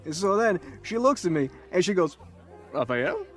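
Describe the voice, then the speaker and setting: An actor playing a cocky, chatty undercover cop in an audio drama, telling stories in a breezy, boastful way. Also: male voice, high voice, big pitch swings, slow pace, soft background music, a faint crowd, heavily acted. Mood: amused.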